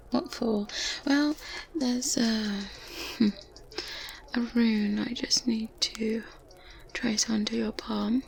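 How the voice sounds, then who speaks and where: A woman playing a good witch in an ASMR roleplay, strict but kindly and gently teasing, in a breathy, soft whisper close to the microphone. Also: a little high, exaggerated voice. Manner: slow, gentle, with murmured hums and soft chuckles. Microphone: close binaural microphone. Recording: close binaural mic with ambient background noise. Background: medieval ambience sounds.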